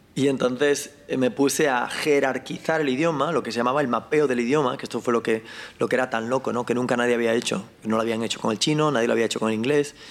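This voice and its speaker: A man speaks at a very fast pace in a medium pitch, with hardly any pauses. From Galicia, Spain (Fisterra). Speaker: entrepreneur and author. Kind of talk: interview. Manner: animated.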